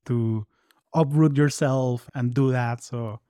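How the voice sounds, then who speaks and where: A man's voice: mid-range voice, steady tone, slow pace, warm tone, smooth, no echo, studio quality. A man hosting a podcast, giving upbeat announcements and interviewing a guest in a friendly, conversational way. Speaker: podcast host.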